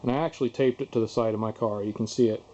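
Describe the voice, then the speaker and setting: A man talks himself into action in a candid, folksy self pep talk, rambling casually as in a homemade vlog. His voice sits at an average pitch, and the recording is dull and lo-fi. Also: fairly even intonation, racing, warm tone, slight background noise. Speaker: car restorer making a vlog. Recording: dull lo-fi camera audio.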